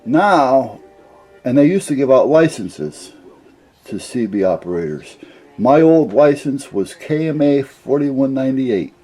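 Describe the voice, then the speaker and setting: A man's voice: medium pitch, lively intonation, a little slow, warm tone, faint music behind. An older man talking casually and off the cuff about his hobby, explaining things in a plain-spoken, rambling, folksy way. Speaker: CB radio hobbyist explaining gear.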